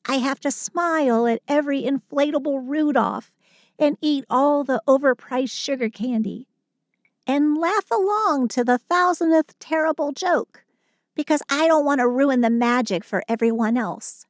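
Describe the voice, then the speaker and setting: A woman plays a sweet, sulky female Christmas elf in an intimate audio roleplay. Her delivery is very slow and close, with a dry sound free of room. She complains with theatrical sarcasm while staying affectionate toward her partner. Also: sits high, no echo. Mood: exasperated, sulky. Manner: dramatic, sardonic, affectionate venting. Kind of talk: scripted audio roleplay monologue.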